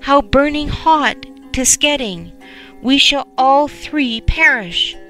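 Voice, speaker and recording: A woman's voice: a little high, slow pace, a bit bright, faint music behind, poor audio. A woman voicing a frightened young prince in a folk tale, pleading in old-fashioned speech.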